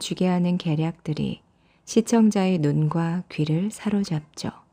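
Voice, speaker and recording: A soothing, dark, mellow tone at a very slow pace with ordinary pitch variation. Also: woman, quiet background. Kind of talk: audiobook reading. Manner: quiet, soothing.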